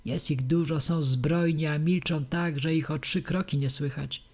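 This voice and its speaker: A frightened old witch woman, as a female reader puts her on, evasive and secretive, dropping to whispers and then rising shrilly. It is a storybook voice, hushed and wary. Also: sits low, steady tone, unhurried. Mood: urgent.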